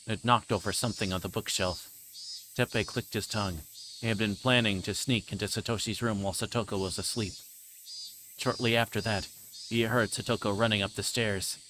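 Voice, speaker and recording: Lowish-voiced man reading a story aloud. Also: noisy background. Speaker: livestreamer. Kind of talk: reading visual novel narration aloud.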